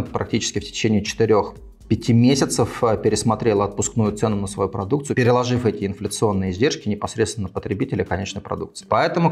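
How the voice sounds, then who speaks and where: A man's voice: medium pitch, husky. A man in his forties hosting an investment channel, explaining to camera with frequent fillers, recorded on a lapel mic in a small indoor set. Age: 40s. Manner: fast, measured advisory delivery with frequent fillers. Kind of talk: talking-head explainer to camera. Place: small indoor studio set with desk and lamp.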